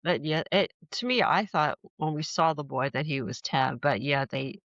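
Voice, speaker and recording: A woman with a rough, fry-laden voice runs a loose, chatty soap-opera recap. She talks frankly and rambles through fillers. The sound is dry and muffled, like a cheap lo-fi mic. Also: deep voice, moderate pace, a bit bright, no room sound. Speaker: podcast host. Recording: dull lo-fi sound.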